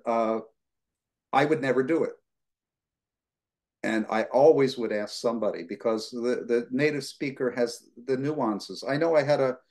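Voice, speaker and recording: Older guy on a video call from his living room, laid back, lots of uhs, rambling answers. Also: mid-range voice. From United States. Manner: relaxed, rambling, many fillers, gestures with hands. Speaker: guest lecturer. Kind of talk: conversational Q&A answer.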